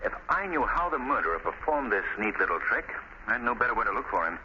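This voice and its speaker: An actor playing a shrewd gentleman detective in 1930s radio style, urbane, deliberate and commanding. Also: mid-range voice, very animated, natural voice. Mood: brooding. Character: shrewd gentleman detective who poses as unseen avenger. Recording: noisy, dull 1930s radio recording.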